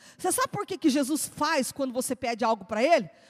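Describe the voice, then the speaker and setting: A woman's high, animated, passionate voice with a Brazilian accent, moderate pace and very wide pitch swings, recorded dry and close with no echo. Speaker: preacher. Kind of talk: fervent sermon, preaching with scripture and exhortation. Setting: church. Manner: animated, emphatic, passionate preacher's delivery; repetitive, rhetorical, exclaiming 'Aleluia'.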